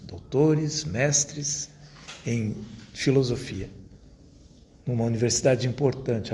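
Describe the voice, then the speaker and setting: A man giving an academic lecture to an audience at a university, speaking in a measured, rhetorical way and addressing his listeners directly. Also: medium pitch, darkish tone. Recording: roomy echo, faint background noise.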